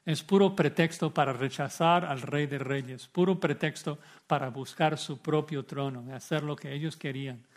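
Fervent, higher-pitched male preacher. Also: moderate pace, hardly any pauses. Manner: emphatic, with rhetorical questions and repeated phrases. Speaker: pastor. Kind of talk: expository sermon.

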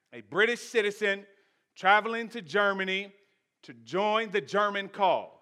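A man preaching as a pastor, telling stories in deliberate short phrases with pauses for emphasis. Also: high-pitched, bright, forceful tone. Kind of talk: sermon with storytelling.

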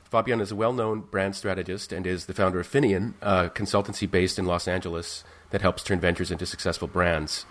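A male podcast host with a very deep voice introduces his guest and asks questions. He speaks in a measured way, with frequent filler sounds. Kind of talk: interview hosting.

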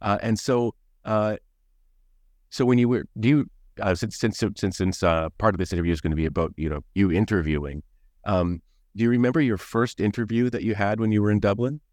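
A male podcast host with a very low voice asks questions in a halting way, restarting phrases and filling pauses. The recording is dry and close, without room echo. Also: a little mellow. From English-speaking country. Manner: halting, many restarts and fillers. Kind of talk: casual interview chat.

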